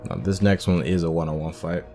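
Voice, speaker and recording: Low-voiced male gaming host, casual rambling commentary, soft game music underneath. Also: fairly quick, gravelly. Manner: rambling, relaxed, many fillers.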